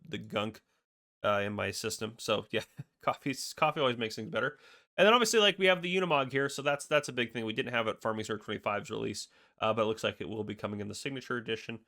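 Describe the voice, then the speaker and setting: A raspy man with a head cold, talking quickly in a casual, rambling way as he walks through game screenshots. His voice has a gravelly fry and a bright, forceful edge, and he thinks out loud with plenty of "um"s. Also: medium pitch. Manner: rambling, filler-heavy, thinking aloud. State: fighting a cold. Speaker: gaming video host. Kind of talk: casual commentary over screenshots.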